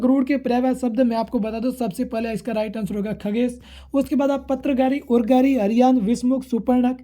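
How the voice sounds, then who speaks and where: Guy doing exam prep q and a, really quick talker, soft mellow tone, kinda repetitive. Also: very high voice. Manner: repetitive, formulaic question-and-answer delivery. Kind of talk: informal exam question walkthrough.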